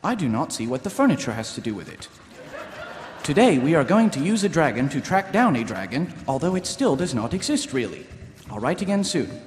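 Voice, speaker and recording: A man's voice: fairly high pitch, sing-song, a little fast, a little hiss or hum. A man playing a naive, earnest young watchman, stiffly literal, in a live radio comedy. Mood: earnest, proud. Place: live on stage in a large hall. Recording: echoey hall, live stage performance.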